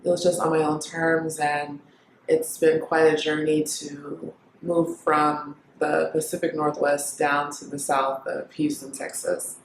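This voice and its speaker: A young woman from Kenya who grew up in the United States, talking casually to camera, thinking aloud with pauses and fillers. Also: low voice, little pitch movement, roomy sound, slight background noise, low-quality recording. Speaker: vlogger.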